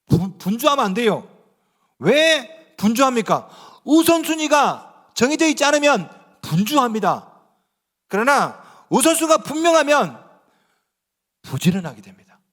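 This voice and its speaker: High, animated male pastor preaching. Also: unhurried, in a large hall. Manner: swings between loud emphatic lines and hushed near-whispers; asks the congregation rhetorical questions. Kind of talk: sermon.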